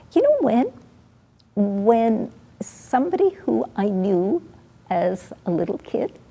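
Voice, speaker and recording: A woman's fairly high-pitched voice at a very slow pace, with very wide pitch swings, long, frequent pauses and noticeable background noise. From Canada, Toronto. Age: 80s+. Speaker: long-time church member. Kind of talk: interview. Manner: halting.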